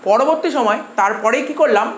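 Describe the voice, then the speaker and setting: A man's voice: very high-pitched, fairly quick, a bit bright. A male commerce teacher with a Bengali accent, lecturing a class and constantly quizzing his students with repeated questions. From India. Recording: echoey room with faint noise.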